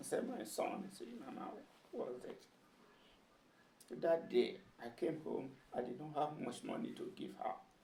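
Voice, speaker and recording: Amid audible room echo, a man talks at a moderate pace with long, frequent pauses. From Nigeria. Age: 70s. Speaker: pastor. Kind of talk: interview.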